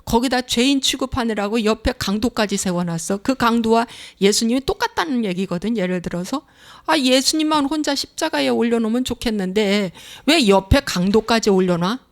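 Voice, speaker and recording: Fairly quick and fairly high-pitched, this middle-aged female pastor delivers an emphatic sermon, repeating phrases and voicing imagined inner thoughts aloud.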